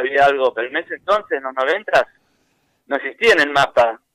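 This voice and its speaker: The sound is dry and close, with no echo. A man with a fairly high pitch speaks at a moderate pace. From US, South Philadelphia. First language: English (speaking Spanish). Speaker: author. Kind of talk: radio interview.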